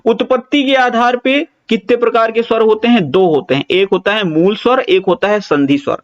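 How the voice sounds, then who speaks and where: Male exam tutor, high voice, self-questioning, drags out vowels to demonstrate; muffled lo-fi audio. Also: moderate pace. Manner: repeats key points, asks and answers his own questions; draws out vowel sounds to demonstrate them. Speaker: teacher. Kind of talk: exam-prep lecture.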